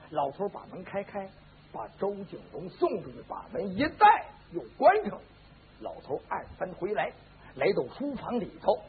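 A man's voice: high voice, slightly rough. A male storyteller narrating a traditional tale vividly and dramatically, with his own sound effects, on a lo-fi recording. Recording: lo-fi phone-like band with faint hiss.

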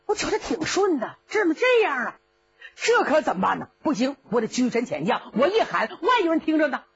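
Brief: a swaggering old general who brags nonstop, played by a woman, high voice swooping widely, dull lo-fi recording. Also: huge pitch swings, a little fast, full character voice. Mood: panicked. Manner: bragging, comic bluster. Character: boastful blustering old male general.

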